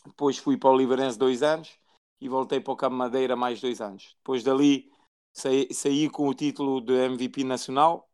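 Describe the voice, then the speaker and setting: A man in his forties, a basketball coach born in Portugal and raised in France, answering interview questions haltingly with many fillers. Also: mid-range voice, steady tone, darkish tone, smooth. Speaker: basketball assistant coach, guest.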